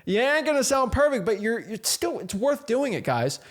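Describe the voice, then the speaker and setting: High-voiced, energetic young man coaching. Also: moderate pace. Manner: energetic, repetitive, casual slang. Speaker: real estate wholesaling coach. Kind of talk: motivational talk to camera.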